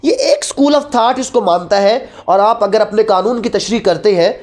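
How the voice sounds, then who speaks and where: Speaking at a moderate pace in a mid-range, slightly mellow voice, this Pakistani-accented woman teaches law in a mix of Urdu and English. She explains concepts like a teacher, returning to key phrases and posing rhetorical questions.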